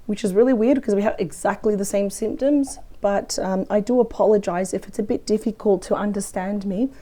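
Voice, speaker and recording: A woman with a weak, croaky voice from a cold, chatting through a weekly tarot reading. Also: mid-range voice, fairly quick, warm tone. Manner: chatty, thinks aloud over the cards. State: hoarse from a cold. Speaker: tarot reader. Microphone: close microphone.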